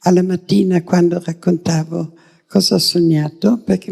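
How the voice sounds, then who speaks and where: A woman's fairly low-pitched voice, dark and mellow in tone, with vocal fry. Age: 80s+. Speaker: audience member asking a question; reflexologist and massage therapist. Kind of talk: audience question at a conference.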